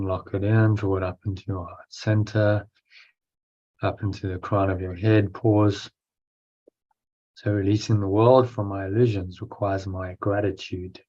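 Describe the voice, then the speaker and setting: A man leading a guided breathing meditation as a teacher, giving instructions in short phrases with pauses and reading out affirmations. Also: sits low, warm tone. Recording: dull, lo-fi sound.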